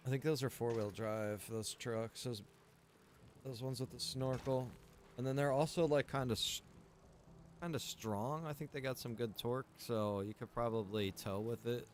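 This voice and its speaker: A man giving casual livestream commentary on a game, rambling and thinking out loud. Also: medium pitch, steady tone, moderate pace, a little hiss or hum. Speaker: game streamer.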